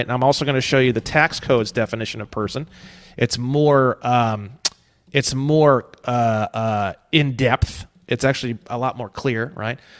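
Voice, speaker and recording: On a very clean recording with a silent background, a man speaks at a moderate pace. His intonation is fairly even, and it's an ordinary speaking voice. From Indiana, US Midwest. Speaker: legal researcher and author. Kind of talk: interview.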